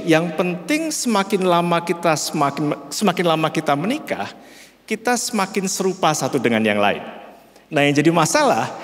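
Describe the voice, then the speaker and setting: A middle-aged male pastor with a Central Javanese accent preaches in a slow, measured way and keeps addressing his listeners directly. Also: on the high side. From Central Java, Indonesia. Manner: slow, measured delivery, often calls listeners "brother". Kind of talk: sermon. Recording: reverberant church hall.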